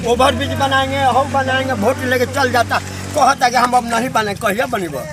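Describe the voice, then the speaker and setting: Noticeable background noise sits behind a man's voice. His pitch is extremely high and his intonation lively. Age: 70s. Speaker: local villager. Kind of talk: street interview.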